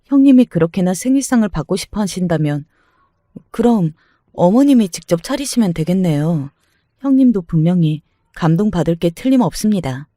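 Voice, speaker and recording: Guy reading as a young bride talking back, polite but sarcastic, measured, dry sound. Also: high voice, expressive, dark tone, dry recording. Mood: calm. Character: calm, cutting young newlywed daughter-in-law. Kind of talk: dramatized story reading.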